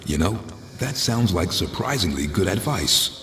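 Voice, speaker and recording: Very deep, brooding undead antihero. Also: male voice, animated, a little slow, fairly bright tone, exaggerated voice. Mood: dry, grim. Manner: grave, poetic when narrating, dry sarcasm in talk. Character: brooding male undead voodoo demigod, lord of the dead. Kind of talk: dramatic video game voice acting. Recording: echoey reverberant hall, faint hiss.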